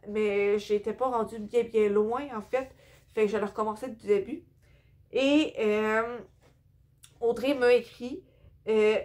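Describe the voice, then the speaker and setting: A young woman from Quebec, speaking with a Québécois French accent, talks about her books in a casual book haul vlog filmed in an indoor room lined with bookshelves. Her voice sits fairly high with a darkish tone. She sounds a bit tired and hesitant, filling her speech with lots of fillers.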